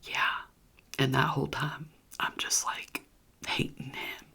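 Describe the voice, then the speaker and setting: A woman whispers the whole story in a very low, gravelly, husky hush. She talks slowly and frankly, addressing her viewers directly as if confiding in friends. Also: little pitch movement. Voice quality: whispering throughout.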